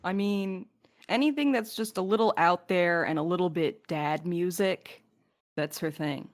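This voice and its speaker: Her voice sits on the low side and she takes her time. A podcast co-host who's also on the crew, she handles listener questions casually, joking around and swearing lightly.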